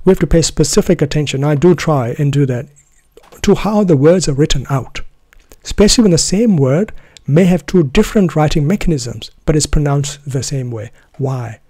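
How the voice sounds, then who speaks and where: A man whose first language is Urdu gives an earnest, deliberate solo talk about his method of study, often restarting phrases to stress a point. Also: on the high side, mellow, no room sound, clean studio sound. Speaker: Quran student presenting his method.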